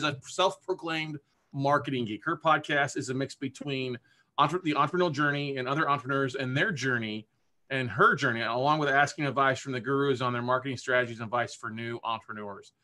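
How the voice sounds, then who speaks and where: Male host, bright voice, upbeat and chatty, video call, filler words. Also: mid-range voice, a little fast. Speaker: podcast summit host. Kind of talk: casual live-stream interview.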